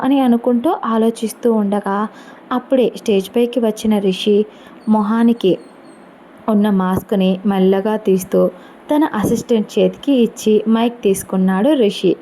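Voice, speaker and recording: A woman narrating a love story in an expressive storytelling manner, mixing in English words. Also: mid-range voice, a little hiss or hum.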